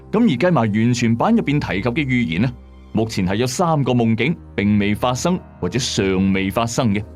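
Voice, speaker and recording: Over a soft music bed, a man with a Hong Kong Cantonese accent delivers scripted storytelling narration in the style of a late-night mystery host. His mid-pitched voice swings widely in melody, building suspense and slipping in chatty asides.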